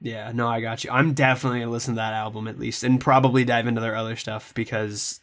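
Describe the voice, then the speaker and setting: A man's voice: mid-range voice, little pitch movement, fast talker, fairly bright tone. Enthusiastic, slangy young guy. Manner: enthusiastic, slangy, swears freely. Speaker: podcast co-host. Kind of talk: casual chat.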